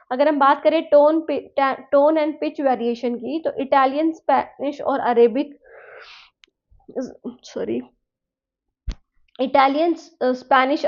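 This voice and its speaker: A woman teaching an exam-prep lecture, explaining in Hindi mixed with English and often checking in with her listeners. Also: high voice. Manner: reads English points slowly from notes. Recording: dull lo-fi audio.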